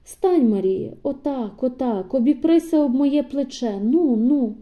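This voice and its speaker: A woman's voice: high voice, lively intonation, a little slow, highs cut off, voice pushed up. A woman reading an audiobook voices an old village man who coaxes and helps a neighbor in plain speech. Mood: coaxing.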